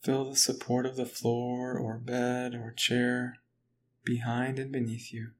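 A man guiding a progressive muscle relaxation exercise, speaking slowly and calmly in an even, instructive way. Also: medium pitch, a little hiss or hum. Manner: slow, calm, even instruction. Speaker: relaxation guide. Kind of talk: guided relaxation script.

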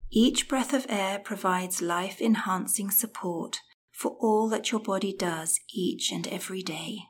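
A woman guiding a breathing meditation in a soft, soothing voice that often drops to a whisper. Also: mid-range voice, a little slow, slight background noise. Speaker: meditation guide.

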